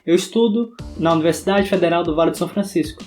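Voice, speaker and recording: Young guy, high voice, bahian sertanejo accent, dramatic scripted narration, soft guitar behind. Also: fast talker. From interior of Bahia, Brazil. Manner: dramatic, theatrical delivery. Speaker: book vlogger. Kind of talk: scripted video essay narration.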